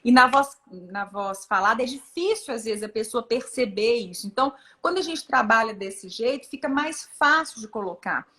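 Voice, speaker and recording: Woman, from Brazil, voice coach, casual explanatory chat, encouraging, fairly high voice. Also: expressive, normal speed, few pauses, bright, forceful tone. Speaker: voice coach hosting a live chat.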